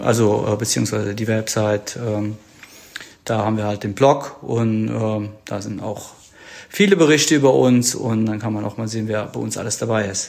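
Talking in a normal speaking voice, a man uses a fairly low pitch, ordinary pitch variation and a moderate pace. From Germany, Eifel (Rhineland-Palatinate). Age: 50s. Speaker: amateur mountain biker. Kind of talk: casual chat.

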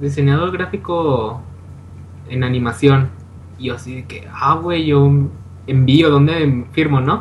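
A man's fairly high voice at a fairly slow pace, with ordinary pitch variation, long, frequent pauses, audible room echo and noticeable background noise. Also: big swings in loudness. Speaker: podcast co-host. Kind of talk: casual chat.

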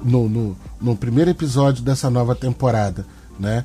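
At a moderate pace, a man talks with an ordinary speaking voice and ordinary pitch variation. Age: 40s. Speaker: podcast host and public school teacher. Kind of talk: solo podcast monologue. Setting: at home. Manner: casual and conversational.

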